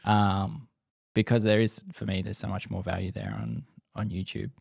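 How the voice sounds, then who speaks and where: A man's voice: sits low, big pitch swings, moderate pace, gravelly, a little mellow, slightly rough, dry recording, clean studio sound. A man in his thirties, a photographer, talking as a guest on a podcast, thoughtful and filling his speech with likes. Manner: thoughtful, many likes and restarts. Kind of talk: casual podcast interview. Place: dim studio set. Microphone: boom-mounted studio mic.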